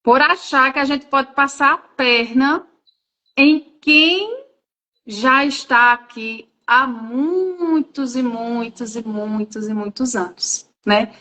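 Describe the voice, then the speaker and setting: Slow, bright-voiced woman. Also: high-pitched. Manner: reflective, agreeing. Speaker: co-host. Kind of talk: casual talk on a live stream.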